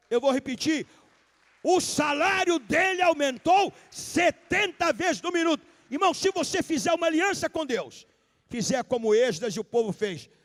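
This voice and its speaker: High-voiced man preaching in a reverberant church. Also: darkish tone. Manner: emphatic preaching, repeats key lines, calls out to the congregation. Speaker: pastor. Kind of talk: sermon. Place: large church sanctuary, live service. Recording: long hall reverb of a church.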